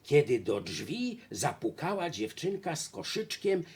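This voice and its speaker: A man narrating a fairy tale in a slow, expressive way. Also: on the high side, slightly rough. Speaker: storyteller.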